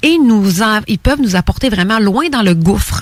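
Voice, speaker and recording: At a moderate speed, the voice swings very widely in pitch. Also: woman. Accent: Quebec. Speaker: radio host. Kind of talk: radio talk show interview. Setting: radio studio.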